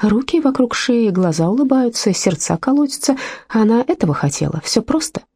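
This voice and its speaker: A woman reading a literary novel aloud as an audiobook narrator, measured and expressive. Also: a little high, breathy edge, no echo, studio quality. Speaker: audiobook reader.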